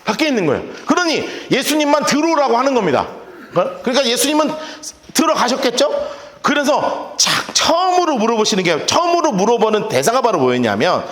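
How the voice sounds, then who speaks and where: Male pastor, animated Bible-study preacher with a high, lively voice, recorded in a reverberant church. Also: a little fast. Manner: animated, asks the audience questions and acts out scenes.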